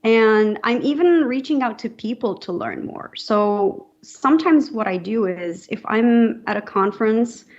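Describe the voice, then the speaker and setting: A woman's voice: fairly high pitch, lively intonation, measured pace, few pauses, highs cut off. A young adult woman from Romania, a podcast guest talking earnestly and thoughtfully, with frequent fillers. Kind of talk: casual interview talk.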